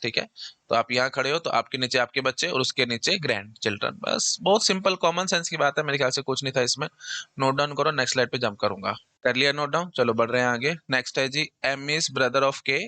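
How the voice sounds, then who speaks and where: Bright, dry-voiced Hindi-speaking male teacher. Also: mid-range voice, dry recording. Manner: explains step by step, repeats the question in English, mixes Hindi and English; casual, often says "theek hai ji" and "bhai". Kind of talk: exam-prep lecture.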